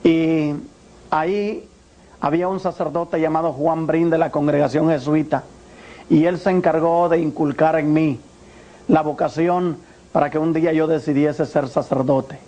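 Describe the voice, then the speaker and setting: Guatemalan man in his forties, earnest preacher-like testimony, warm and a bit high. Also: steady tone, highs cut off. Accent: Guatemalan Spanish. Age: 40s. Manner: earnest, measured, preacher-like address. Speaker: former priest giving testimony. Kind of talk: religious testimony.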